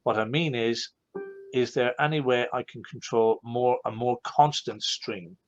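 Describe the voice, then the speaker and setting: Casting: male host with an Irish accent, chatty and animated, dull lo-fi video-call sound. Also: mid-range voice, a little slow, faint music behind. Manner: animated, rambling, self-correcting. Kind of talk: live online Q&A chat.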